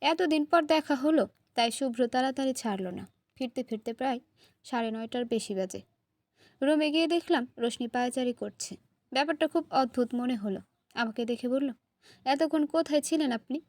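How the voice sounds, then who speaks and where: A woman reading a romantic story aloud in first person, lively and expressive. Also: a little high, a little fast, no room sound.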